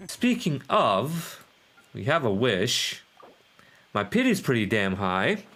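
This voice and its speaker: A man's voice: mid-range voice, huge pitch swings, takes it slowly, a bit bright. A man doing casual live gameplay commentary, rambling, repeating himself and swearing offhand. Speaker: game livestreamer.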